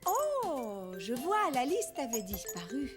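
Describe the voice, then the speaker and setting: A woman's voice: sits high, huge pitch swings, slow, over loud music, full character voice. A woman voicing a cheerful, playful, caring mother in a French-dubbed preschool cartoon.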